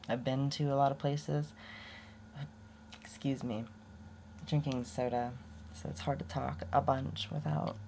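A young woman rambling candidly in a casual unedited vlog, her voice prone to going hoarse. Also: a bass voice, a little mellow, a little hiss or hum. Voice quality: voice often goes hoarse. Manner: rambling and candid, with many restarts and laughs. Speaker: vlogger.

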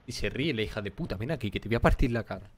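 Foul-mouthed Spanish gamer guy, lively. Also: on the low side, rapid-fire, heavy background noise. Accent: Spain Spanish. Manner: crude, swears often, bursts into laughter. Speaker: gameplay streamer. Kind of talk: casual horror let's-play commentary.

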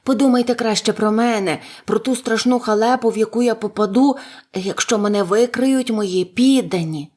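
A woman's voice: a little high, moderate pace, a little mellow, natural voice. A woman voicing a timid, bald little man posing as a great wizard, speaking in a trembling, pleading voice. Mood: fretful.

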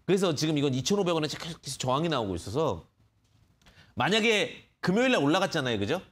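A male stock expert hosting a live call-in broadcast, walking callers through price targets. His speech is rapid, and his pitch swings widely. His voice sits a bit high for a man. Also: very animated, slight background noise. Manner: explains patiently to callers, many fillers. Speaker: stock market expert host. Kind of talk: live phone-in stock advice.

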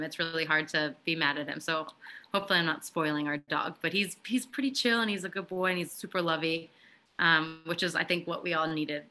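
A woman's voice: lowish voice, pushed and bright. A young woman from Philadelphia, a guest actor, chatting playfully on a video call from home. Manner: playful, jokey. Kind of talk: casual chat on video call. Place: living room couch at home.

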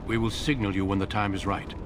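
An actor playing a solemn, middle-aged warrior commander in a fantasy game, measured and authoritative. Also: male voice, fairly low pitch, little pitch movement, background noise, close to an everyday voice. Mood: instructing. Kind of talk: fantasy video game acting.

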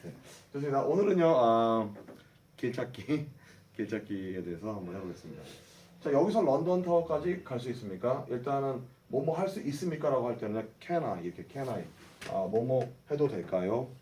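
A man's voice: medium pitch, sing-song, moderate pace, darkish tone, slight background noise. A middle-aged man teaching English phrases to a class, drilling them and having the group repeat. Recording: roomy echo, mic at a distance.

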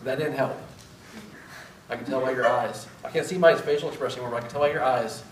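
A man's voice: medium pitch, fast, a little hiss or hum. A middle-aged man teaching at a whiteboard through a face mask, casual and self-deprecating, quizzing his students as he goes. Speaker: respiratory therapy instructor. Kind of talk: classroom whiteboard lecture. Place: large classroom with whiteboard. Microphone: far camera. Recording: echoey room from far off.

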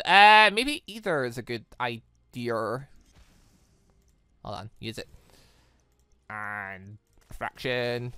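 A gaming host talks through play in a bright, animated voice, rambling and thinking aloud. The sound is dry and close to the mic, with game music faintly underneath. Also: mid-range voice, smooth, dry recording. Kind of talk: excitable let's play commentary and dialogue read-aloud.

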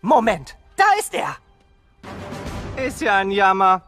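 An actor playing a sarcastic young bird-dinosaur son in an audio drama, dry and giggly. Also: male voice, high voice, lively intonation, slow, fairly bright tone, soft background music, exaggerated voice.

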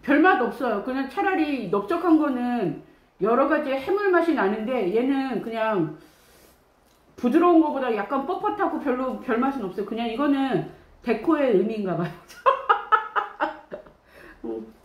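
A woman's voice: high-pitched, expressive, a little slow, roomy sound, highs cut off. A woman streaming a casual eating show, chatting about the food while speaking behind her hand as she chews. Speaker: mukbang streamer. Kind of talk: casual eating livestream chat.

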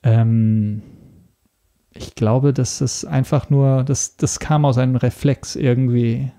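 Gravelly, hesitant man. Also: mid-range voice, steady tone, takes it slowly, warm tone. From Italy. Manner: hesitant, searching for words. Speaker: podcast guest. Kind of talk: casual interview talk.

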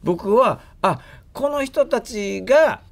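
A man's voice: very high voice, lively intonation, slow, creaky. A man with an Osaka accent chatting casually on the radio, telling anecdotes and acting out little quoted exchanges. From Osaka, Japan.

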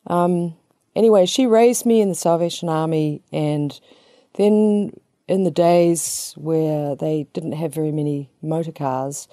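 Low and mellow, her voice moves at a measured pace with no room sound. She is a New Zealand psychotherapist in her fifties, a guest in a small studio giving a relaxed, chatty personal introduction with self-deprecating humor.

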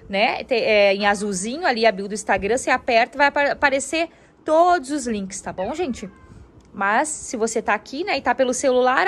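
A woman's voice: on the high side, slight background noise. A woman with a Brazilian Portuguese accent, chatting casually to viewers as she does housework at home. She often breaks into fond baby talk with her daughter. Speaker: homemaker vlogger. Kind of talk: casual chat to viewers while doing chores. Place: at home, indoors.

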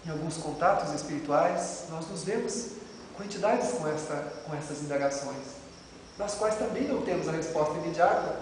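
A man's voice: high voice, darkish tone. A middle-aged Brazilian man giving a religious lecture in a dramatic, emphatic, rhetorical manner. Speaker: lecturer at a Spiritist center. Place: indoor lecture room with a chalkboard. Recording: very echoey, noisy hall, distant mic.

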